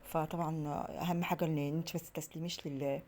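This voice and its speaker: A woman's voice: low voice, fairly even intonation, fast, a little mellow. A woman with an Egyptian Arabic accent, telling stories in a casual home vlog and rambling on as she acts out the dialogue. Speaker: home vlogger.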